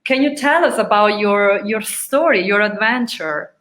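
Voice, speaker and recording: A woman hosts an interview, carefully repeating and restating her guest's answers. Her medium-pitched voice is fairly bright and unhurried, and the room sounds echoey.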